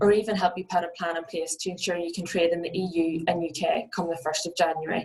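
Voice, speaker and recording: A woman with a Northern Irish accent moves at a fairly quick pace in a fairly low register. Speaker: business development manager. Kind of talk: rehearsed sales pitch. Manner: fast; energetic.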